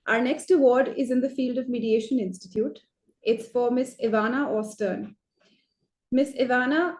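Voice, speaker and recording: A woman's voice: fairly high pitch, mellow. Woman host reading formal introductions. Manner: formal, measured. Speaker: awards ceremony host. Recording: echoey room.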